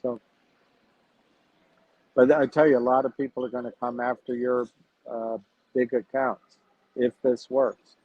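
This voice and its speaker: A man hosting a casual livestream about investing, talking to his viewers in a measured, reflective way as he thinks aloud. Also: medium pitch, level tone, no echo. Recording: tinny phone-like sound.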